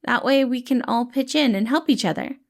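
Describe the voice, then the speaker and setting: Woman putting on a high, cheerful little healer man. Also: brisk. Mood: upbeat, explaining. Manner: eager, reassuring, gentle, calls people kiddo. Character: tiny cheerful male borrower healer, kindly and fatherly.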